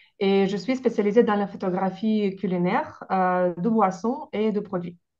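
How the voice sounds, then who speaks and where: Her intonation is fairly even, at a medium pitch for a woman. This woman talks at a fairly slow pace with a slight Ukrainian accent. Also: quiet background. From Ukraine. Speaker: food photographer. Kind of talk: interview. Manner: halting, many hesitations.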